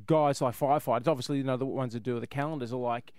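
A man's voice: medium pitch, fairly even intonation, quick pace, a little mellow, no room sound, studio quality. An Australian man hosting a radio show with casual, irreverent comedy banter and a jokey, rambling way of talking.

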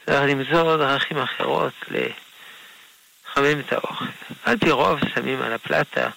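A man, a rabbi, answering listener questions on a radio call-in show in a gentle, unhurried way. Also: medium pitch, vocal fry, no echo, low-quality recording. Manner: gentle, unhurried, explains patiently with soft laughs.

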